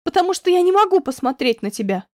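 A woman's voice: high voice, expressive, moderate pace, a little mellow, no echo, studio quality. A woman voicing a distraught young woman, speaking in raised, pleading, tearful outbursts.

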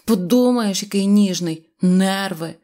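A woman's voice: on the high side, lively intonation, fairly quick, a little mellow. A woman voicing a contrary little boy who scoffs at everything, in a storybook reading. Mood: sneering. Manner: scornful, dismissive.

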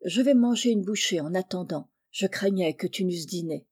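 Storybook orphan boy, impulsive and pleading, read by a woman, mellow tone. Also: on the low side, moderate pace, breathy edge. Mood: excited. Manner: eager, pleading.

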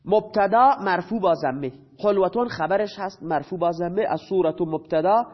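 A man teaching a grammar lesson. He asks his own questions and answers them, and he repeats key terms slowly. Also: sits high. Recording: dull lo-fi recording.

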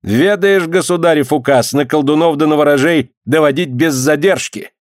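A man's voice: fairly high pitch, moderate pace, dry recording, clean studio sound, voice pushed up, close to an everyday voice. A man voicing a stern, commanding old-time Russian clerk who barks his questions in an audiobook. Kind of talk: audiobook character voice.

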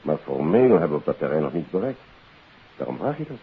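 An actor playing a businesslike, deliberate police investigator in a 1950s radio detective drama. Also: male voice, rumbling low, sing-song, slightly rough, full character voice. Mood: confiding. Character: matter-of-fact male police investigator reporting on a case. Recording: hissy, tinny 1950s radio recording.

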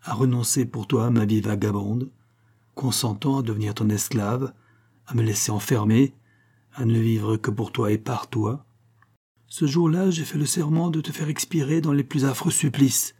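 A man's voice: medium pitch, fairly even intonation, normal speed, dark tone, slightly rough, close to an everyday voice. A man voicing a fierce, jealous young Gypsy woman who threatens her lover with vehemence. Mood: intense.

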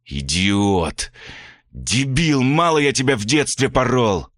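A man voicing an enraged, coarse middle-aged father who shouts and scolds his son. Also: lively intonation, slow pace, dry recording, studio quality. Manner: shouting, scolding, high and strained.

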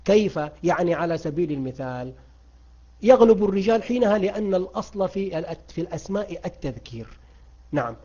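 Man, grammar teacher, husky warm voice, dull lo-fi sound, quizzes students. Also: a little high. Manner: asks students questions and praises their answers. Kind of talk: online grammar lesson.

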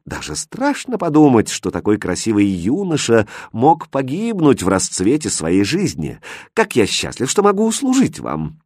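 A man voicing a greedy innkeeper who fusses over his guests with sugary, ingratiating flattery. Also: medium pitch, normal speed, husky, dry recording, studio quality. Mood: fawning. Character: fawning greedy innkeeper, male, middle-aged.

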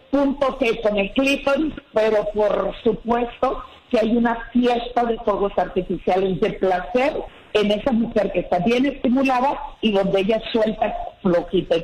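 A woman's voice: on the high side, normal speed, darkish tone, roomy sound, low-quality recording. A woman, a sexologist guest on a radio show, explaining things frankly and upbeat. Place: radio studio.

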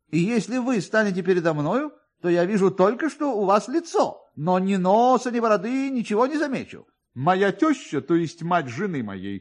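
Man acting a high-voiced, fawning police officer. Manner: obsequious, rambling, hinting for money. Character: fawning, talkative, short-sighted male police officer. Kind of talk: literary radio storytelling.

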